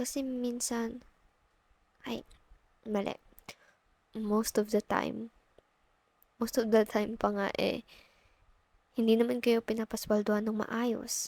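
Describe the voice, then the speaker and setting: Fairly high-pitched and gentle in tone, a woman talks fairly slowly with fairly even intonation. The sound is dry and close, with no echo. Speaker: audio roleplay / ASMR creator. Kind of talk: roleplay as a caring wife, intimate ASMR-style talk to the listener. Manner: gentle, caring, soft-spoken.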